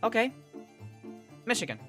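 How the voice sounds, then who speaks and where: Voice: medium pitch, sing-song, normal speed, over music, close to an everyday voice. A performer playing an anxious, wry young survivor woman, narrating and speaking in a first-person audio drama. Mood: uneasy, questioning.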